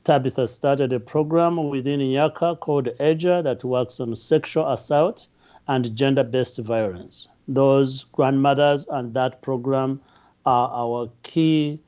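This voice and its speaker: A man's voice: mid-range voice, steady tone, a little slow, mellow. A man with a Ugandan accent introducing his nonprofit on a panel in an earnest way, with light jokes. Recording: muffled lo-fi audio.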